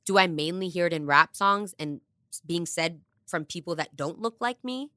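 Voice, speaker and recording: Low-voiced candid woman podcaster. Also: normal speed, dry recording, clean studio sound. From the Bronx, New York. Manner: candid, animated, voice rising and dropping in bursts. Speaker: podcast co-host. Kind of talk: casual podcast chat. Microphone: studio podcast mic.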